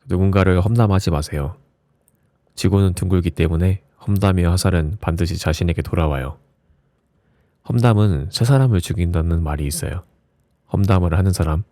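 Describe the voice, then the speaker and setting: Deep, mellow man reading softly. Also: no echo, clean studio sound. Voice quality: low, mellow voice. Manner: gentle, soothing bedtime delivery. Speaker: audiobook narrator. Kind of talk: soft ASMR audiobook reading of reflective essays.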